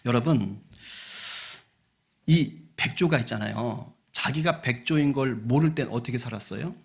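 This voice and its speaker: A man's voice: mid-range voice, a little slow, vocal fry. A male senior pastor preaching a sermon with emphatic, call-and-response questions.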